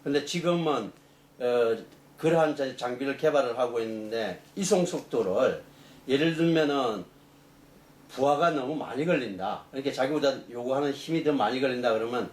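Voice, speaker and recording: A man's voice: mid-range voice, moderate pace, roomy sound. A middle-aged man, an engineering professor, answering interview questions in long explanations full of fillers and restarts.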